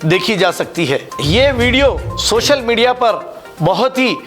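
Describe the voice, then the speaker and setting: Male bulletin anchor, very high pitch, music bed behind. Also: lively intonation, a little slow, fairly bright tone. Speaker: news presenter. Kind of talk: news bulletin reading with personal asides.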